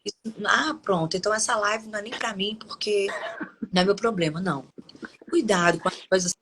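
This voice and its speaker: Against a noisy background, a woman talks a little fast in a medium-pitched voice. As host of a Christian live stream, she chats conversationally and reads scripture in a devotional talk. Her speech is full of tag questions and restarts.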